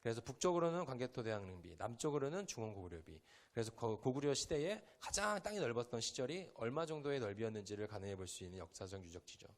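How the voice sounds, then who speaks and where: In a church hall, a young Chungcheong-born pastor preaches conversationally to young people, testing them with questions. He talks fast in a mid-range voice, swinging widely in pitch and barely pausing.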